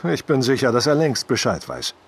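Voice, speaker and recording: A distrustful male gang leader played by an actor in a crime radio play. He gives firm orders in a mid-pitched voice, with faint noise behind him. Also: brisk, vocal fry, lightly acted. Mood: wary, commanding. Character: wary, commanding male criminal gang leader. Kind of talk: German crime audio drama acting.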